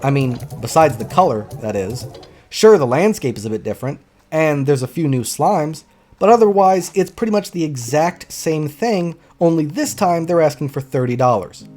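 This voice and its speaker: A man with a stuffy cold, narrating a sarcastic, apologetic video game review over soft background music. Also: fairly high pitch, lively intonation, normal speed.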